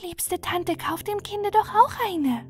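A woman's voice: very high-pitched, lively intonation, takes it slowly, soft background music, voice pushed up, exaggerated voice. A woman voicing an eager little girl who pleads in a childlike way, in a storybook reading. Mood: pleading.

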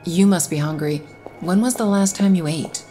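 Actress as tired caring woman, polite, low pitch, audio drama, faint music. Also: moderate pace, dark tone, natural voice. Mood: gentle.

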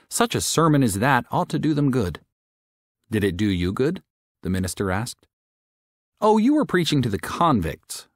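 A male audiobook narrator reads religious prose with earnest, careful articulation. His medium-pitched voice rises and falls in a lively way. The sound is dry and close, with no room around it. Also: dry recording.

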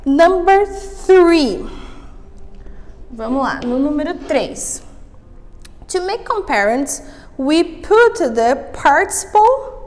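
A woman English teacher with a Brazilian Portuguese accent, reading sentences slowly and explaining them, often checking in with "ok?". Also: high-pitched. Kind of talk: recorded classroom lesson. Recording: reverberant room with long echo.

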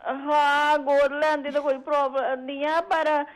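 A woman calling in, talking in a calm, unhurried, slightly evasive way. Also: sits high, poor audio. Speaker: phone-in caller. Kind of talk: casual chat.

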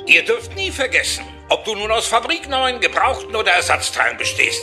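A man's voice: sits high, sing-song, a little fast. An actor playing a kindly male robot company founder in a children's audio play, solemn and encouraging. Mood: inspiring. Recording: music behind the voice.

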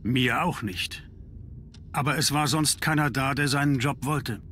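A man's voice: mid-range voice, steady tone, measured pace, bright, forceful tone, a little hiss or hum. An actor playing a pragmatic, formal man who works at a manor, in a video game, matter-of-fact in delivery. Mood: resigned. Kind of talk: scripted video game acting.

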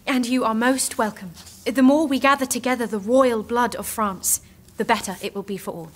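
An actress playing an earnest, devout young peasant maiden warrior in an audio drama, speaking with solemn, formal fervour. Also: female voice, a little high, steady tone, normal speed, natural voice. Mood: solemn, assured.

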